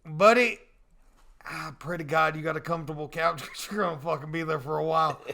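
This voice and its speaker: Bright, high-voiced man, blunt and folksy. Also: steady tone, a little fast, gravelly. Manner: blunt, folksy, swears freely. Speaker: comedy advice podcast co-host. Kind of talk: casual, profane comic advice.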